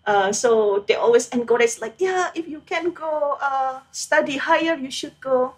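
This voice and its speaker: A young woman from Indonesia talks through her studies in a casual conversation. She speaks hesitantly, pausing on fillers and restarting sentences as she goes. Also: high-pitched. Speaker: interviewee, PhD graduate.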